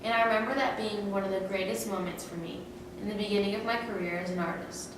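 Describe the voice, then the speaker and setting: A woman's voice: mid-range voice, fairly even intonation, fast, close to an everyday voice. A woman playing a friendly, self-assured male Renaissance sculptor, speaking plainly in a school-style historical skit. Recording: echoey hall from far off, noisy.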